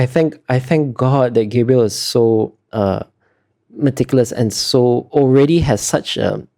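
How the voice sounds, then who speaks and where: Low, creaky-voiced man, halting and self-deprecating. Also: warm tone. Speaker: interview guest, concept artist. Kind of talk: casual interview answers.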